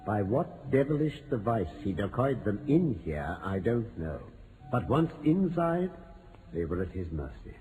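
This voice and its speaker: Mellow, expressive British detective. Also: male voice, fairly low pitch, unhurried. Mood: grave, explanatory. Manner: theatrical, articulate, lecturing. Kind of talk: 1940s-50s radio mystery acting. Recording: noisy old-time radio recording.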